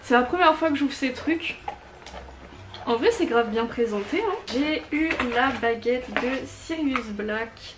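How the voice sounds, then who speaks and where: A woman's voice: sits high, noisy background. A young woman chatting casually through a gift review vlog, enthusiastic and full of little hesitations, filmed at home. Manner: chatty, frequent hesitations, enthusiastic about small items. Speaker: YouTuber reviewing gifts. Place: home room full of fairy lights.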